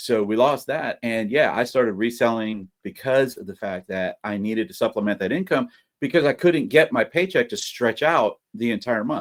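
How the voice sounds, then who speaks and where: Recorded very cleanly with a silent background, a man uses an ordinary speaking voice at medium pitch with lively intonation. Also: moderate pace. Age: 50s. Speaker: reseller, retired teacher. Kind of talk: casual chat.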